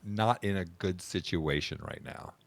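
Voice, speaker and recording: A man's voice: low voice, measured pace, gravelly, dry recording. A man acting as game master in a casual tabletop roleplaying session, speaking with amused teasing.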